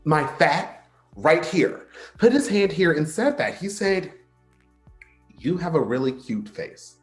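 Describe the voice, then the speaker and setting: A man's voice: a little high, big pitch swings, takes it slowly. A man playing a flirty, sardonic but insecure gay man in a staged play reading, with a teasing, dramatic delivery. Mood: hurt, bitter. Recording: roomy sound, faint music behind.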